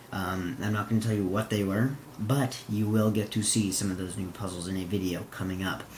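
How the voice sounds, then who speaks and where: A man's fairly low voice at a moderate pace, with audible room echo and noticeable background noise. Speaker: YouTuber, speedcuber. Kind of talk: casual vlog recap. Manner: rambling, halting with fillers.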